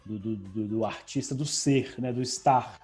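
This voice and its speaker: A man's voice: medium pitch, unhurried, a little mellow, soft background music. A man co-hosting a comedy podcast, judging with rambling, enthusiastic talk that stumbles over words. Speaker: podcast co-host judge.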